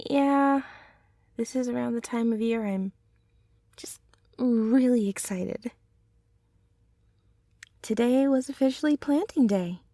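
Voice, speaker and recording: A woman voicing a gentle, teasing centaur girlfriend in a soothing ASMR roleplay, with breathy murmurs and soft sighs. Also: a little high, slow pace, long pauses, dry recording, clean studio sound. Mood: cheerful, chatty. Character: gentle, caring, teasing female centaur girlfriend, hardworking farmer.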